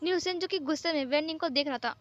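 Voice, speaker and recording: A woman narrating a fan-fiction story in a plain, steady retelling. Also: sits high, rapid-fire, muffled recording.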